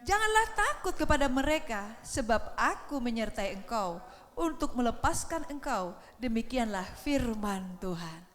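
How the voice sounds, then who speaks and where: A middle-aged woman preaching a sermon in a church, swinging between hushed whispers and shouts. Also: on the high side, big pitch swings, measured pace, big-room sound.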